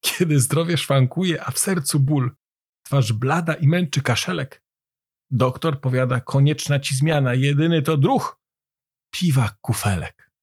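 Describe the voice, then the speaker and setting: A man's voice: medium pitch, a little slow, breathy edge. A man voicing an Irish man proudly reciting a poem about beer in a storybook reading. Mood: declaiming. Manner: declaiming verse.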